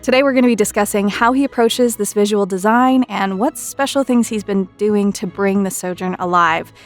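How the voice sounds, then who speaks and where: A woman's voice: mid-range voice, moderate pace. Woman interviewer with music behind. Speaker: interviewer and host, associate producer. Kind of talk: scripted intro, then casual interview.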